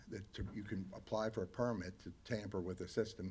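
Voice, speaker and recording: A man's somewhat breathy voice sits fairly low, with a dark, mellow tone. His intonation stays fairly even. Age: 70s. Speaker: public commenter at county council hearing. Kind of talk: public comment testimony. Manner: halting, with many false starts.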